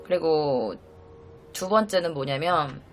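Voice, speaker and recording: A young woman from South Korea hosting a live stream, telling a personal ghost story in an emotional, halting way, with many restarts. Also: sits low. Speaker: host. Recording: faint music under the voice.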